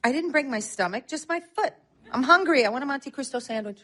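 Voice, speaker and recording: An actress playing an injured middle-aged wife who trades deadpan wisecracks. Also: female voice, high-pitched, fairly quick. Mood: dry. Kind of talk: comic film acting.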